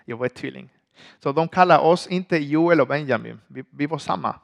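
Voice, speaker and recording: A man preaching a sermon through a story, telling it in an animated way with halting restarts. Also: a little high, vocal fry, highs cut off.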